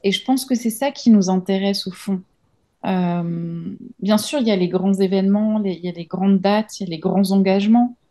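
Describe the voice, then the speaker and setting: A dark-toned, mid-range female voice at normal speed belongs to a journalist and author in her thirties, a native French speaker. As an interview guest, she reflects on her work, hesitating often and restarting her thoughts.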